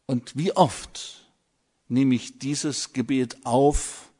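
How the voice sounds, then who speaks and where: Slow, measured older male preacher. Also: mid-range voice, fairly even intonation, mellow, slightly rough. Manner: slow, measured, with dramatic pauses. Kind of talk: sermon.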